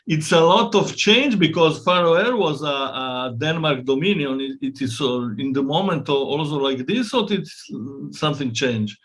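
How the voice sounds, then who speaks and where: An Italian-accented man hosts an interview in English, his second language, speaking hesitantly with many restarts and fillers. His voice is fairly high and a bit bright, with lively intonation at a normal speed.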